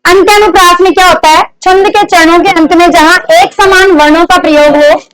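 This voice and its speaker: A woman's voice: extremely high pitch, steady tone, fairly quick, a bit bright, slight background noise, low-quality recording. A woman teacher giving a classroom lecture on grammar, explaining step by step, repeating examples and putting questions to her students.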